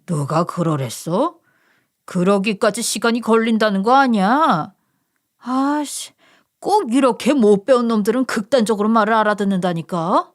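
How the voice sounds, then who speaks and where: A woman's voice: medium pitch, moderate pace, close to an everyday voice. A woman voicing a condescending older brother who scolds and sneers in a radio story. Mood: contemptuous.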